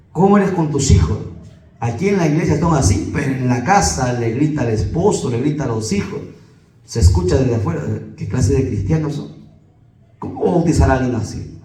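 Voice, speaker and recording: A pastor with a Peruvian Spanish accent, preaching emphatically to a congregation and firing off rhetorical questions. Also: male voice, fairly high pitch, darkish tone, roomy sound, recorded from a distance, rough recording.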